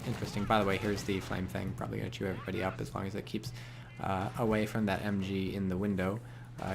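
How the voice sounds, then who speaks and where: A young man with a fairly low voice commentates a strategy game match, wandering off into jokes and asides. His delivery jumps into excited bursts when fights break out. The recording carries a steady layer of background noise. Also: gravelly. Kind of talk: casual video game commentary.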